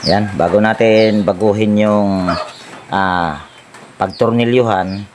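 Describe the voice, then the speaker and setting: A man's voice: on the low side, steady tone, slow pace, background noise. A man giving a casual step-by-step appliance repair tutorial, thinking aloud to himself as he works. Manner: talks to himself while working, thinking aloud. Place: outdoor home service job with roosters and birds nearby.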